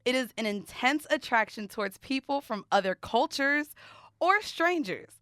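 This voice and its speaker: Bright, lively, high-voiced woman, teasing. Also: normal speed, no echo, clean studio sound. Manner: teasing, slangy, profane. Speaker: podcast co-host. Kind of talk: casual, explicit studio chat. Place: podcast studio.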